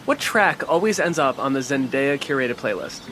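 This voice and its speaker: A man interviewing someone outdoors at a home garden, upbeat and quick in his questioning. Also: medium pitch, expressive, fairly bright tone, a little hiss or hum. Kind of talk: rapid-fire interview questions.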